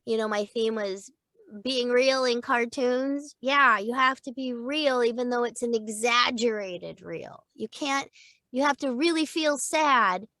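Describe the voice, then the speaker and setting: A chatty middle-aged woman with a fairly high voice talks about coaching actors, lively and quick to laugh. The sound is close and dry, with no room behind it. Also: no room sound. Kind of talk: casual interview chat.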